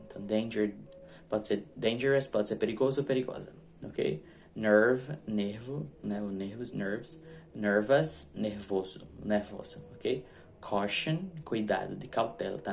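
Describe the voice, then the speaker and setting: A Brazilian-accented man, Portuguese his first language, talks through an English vocabulary lesson in a fairly low voice. He goes slowly and clearly and caps each point with a quick tag question. A faint background hum sits under the recording. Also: a little mellow. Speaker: English teacher.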